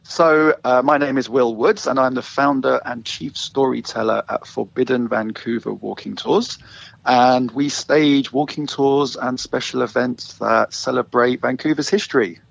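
Gravelly London man telling stories. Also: mid-range voice, fairly even intonation, a little slow. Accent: London English. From England. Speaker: guest, walking tour founder. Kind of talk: casual interview storytelling. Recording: slightly dull lo-fi sound.

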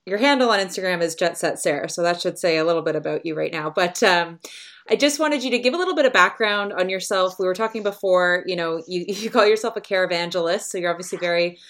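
A woman's voice: lowish voice, quick pace. Chatty upbeat podcast host woman. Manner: chatty, upbeat, many ums and soft laughs. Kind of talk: podcast intro and interview.

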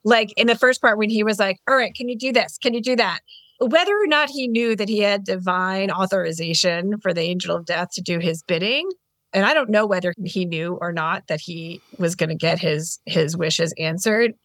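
A woman's voice: fairly low pitch, normal speed, a bit bright, no echo. Woman coach chatting as a guest, eager and thoughtful, dry close sound. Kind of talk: conversational interview reply.

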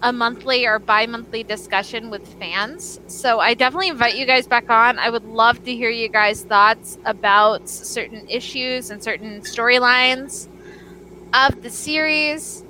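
A woman with a Southern accent chats excitedly on a podcast, gushing over her guests. Her voice sits a little high and rings bright and forceful, with a faint hiss underneath. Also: unhurried, rough recording. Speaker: podcast co-host. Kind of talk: casual chat.

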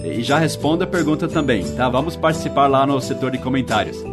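Man, brazilian portuguese accent, podcast teacher, slow drilled example phrases, mid pitch. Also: expressive, music in the background. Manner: slow, exaggerated model phrases in English between quick explanations. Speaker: English teacher. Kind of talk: podcast lesson for learners.

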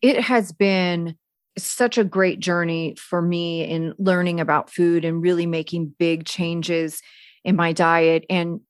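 A woman's voice: lowish voice, fairly even intonation, slow pace, no echo. A woman hosting a podcast talks casually and chattily. She fills her sentences with "like". The sound is dry and close to the mic. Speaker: podcast host. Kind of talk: podcast conversation.

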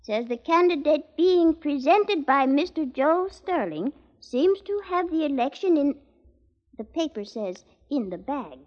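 A woman's voice: high voice, expressive, unhurried. An actress playing a fussy, eager woman accomplice who repeats herself, in a 1940s radio drama. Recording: dull old radio recording.

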